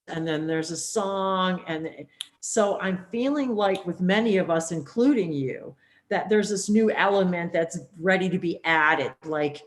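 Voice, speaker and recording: A woman hosting a spiritual interview, talking in a rambling, animated way with plenty of fillers. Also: fairly low pitch. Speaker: host. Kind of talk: casual spiritual interview chat.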